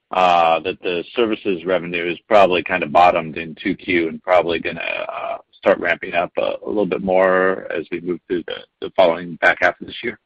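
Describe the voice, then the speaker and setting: Deep, husky man on an echoey call. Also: fairly bright tone. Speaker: financial analyst on an earnings call. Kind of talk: asking questions on a conference call. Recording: muffled, echoey phone conference line.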